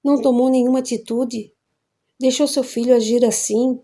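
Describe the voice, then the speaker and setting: A woman's voice: on the high side, fairly even intonation, moderate pace, dark tone. A woman voicing a crying, betrayed young wife. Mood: tearful. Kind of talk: audiobook reading.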